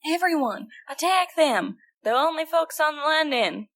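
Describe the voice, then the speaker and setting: A woman plays a stern team leader in an audio drama. Her voice is very high. She speaks bluntly and urgently, as someone used to giving commands. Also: lively intonation, normal speed, fairly bright tone. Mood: commanding.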